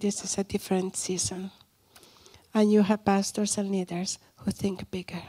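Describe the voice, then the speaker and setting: Speaking with a strong non-native accent, a woman uses a dark, mellow tone at a medium pitch, her delivery fairly slow and monotone and flat, on a very clean recording with a silent background and a dry, close sound with no echo. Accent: thick non-native. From small village. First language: not English. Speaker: conference speaker, prophetic minister. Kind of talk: sermon with prayer and prophetic words. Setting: church with audience.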